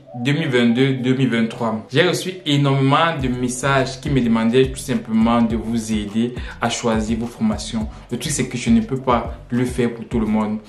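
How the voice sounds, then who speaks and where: Music plays behind a man with a non-native accent and a medium pitch. He speaks at a moderate pace with ordinary pitch variation, and the room echo is audible. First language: not French (speaking French). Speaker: education YouTuber advising students. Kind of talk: video tutorial to camera. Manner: informal, direct address to viewer.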